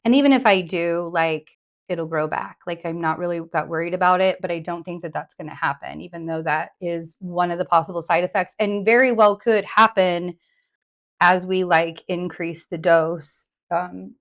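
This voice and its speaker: A woman with a hoarse, slightly raspy voice, giving viewers a casual, rambling update full of fillers and restarts. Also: lowish voice, fairly even intonation, normal speed. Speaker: tarot reader and vlogger. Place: home in New York.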